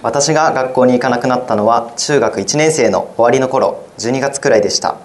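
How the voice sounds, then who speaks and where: A teenage high school boy reading his own essay aloud in a plain, even-paced way for a radio broadcast. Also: brisk. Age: teens. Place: radio studio.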